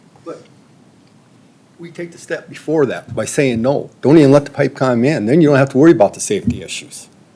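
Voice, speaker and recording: This man has a dark, mellow tone and a fairly high pitch. He moves at a fairly quick pace with ordinary pitch variation. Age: 70s. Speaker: member of the public. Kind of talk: public comment at hearing. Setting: county courthouse meeting room.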